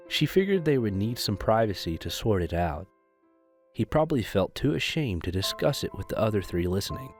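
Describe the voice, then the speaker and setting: A man with a fairly low voice narrates a dramatic story as scripted fiction. Soft music plays behind him.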